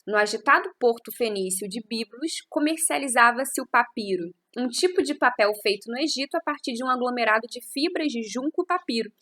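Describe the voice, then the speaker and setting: A woman's voice: a little high, animated, fairly quick, few pauses, bright, forceful tone. A woman teacher recording an audio lesson close to the microphone, explaining patiently and checking in with her students through frequent tag questions. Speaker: Portuguese teacher.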